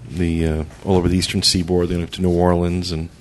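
Very low-voiced male podcast host. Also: fast talker. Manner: relaxed, chatty, stumbling restarts. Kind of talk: casual podcast chat.

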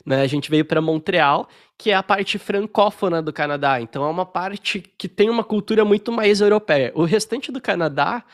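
Young Brazilian man, Brazilian Portuguese accent, raised pitch; easygoing podcast guest, filler-heavy storyteller, video-call sound. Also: normal speed, few pauses. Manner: relaxed storytelling, frequent fillers. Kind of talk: casual interview chat.

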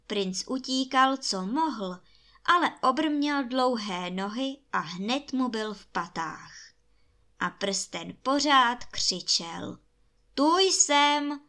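Bright-voiced woman reading a bedtime story. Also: a little high. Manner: calm, measured storytelling.

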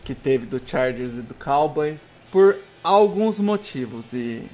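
A man's voice: medium pitch, expressive, slow, darkish tone. A man with a Brazilian Portuguese accent chatting casually about sports as a podcast panelist. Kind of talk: casual chat about American football.

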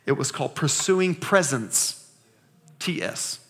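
A man's voice: on the high side, animated, gravelly, fairly bright tone. Pastor in his thirties preaching. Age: 30s. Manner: slow, emphatic reading with congregation call-and-response. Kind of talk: sermon.

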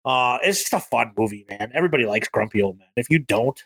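Guy cohosting a movie podcast, bright voice, rambles with lots of um and like. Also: mid-range voice, animated, quick pace, slightly rough. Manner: rambling, lots of ums and likes. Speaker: podcast co-host. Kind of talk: casual movie chat.

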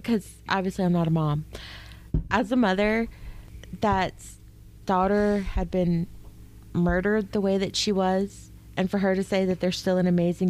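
A woman's voice: medium pitch, darkish tone. A woman co-hosting a true-crime podcast, reacting emotionally and talking casually with fillers. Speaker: podcast co-host.

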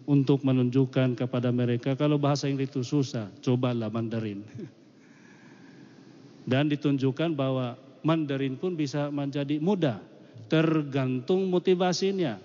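A man's voice: mid-range voice, moderate pace, mellow. A male preacher giving a chatty, joking sermon, his voice ringing with cathedral echo. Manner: chatty and joking, laughs between points. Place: large church. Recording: dull recording in an echoing church.

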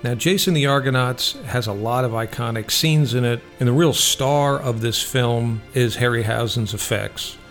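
Male radio host for casual solo reviews. Creaky voice, conversational, thinking aloud, music underneath. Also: mid-range voice, moderate pace, hardly any pauses, a bit bright.

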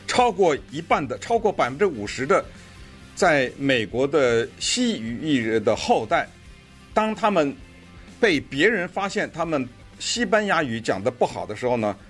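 A man's voice: fairly high pitch, sing-song, unhurried, soft background music. A man giving casual, chatty online commentary, rambling a bit and using lots of fillers.

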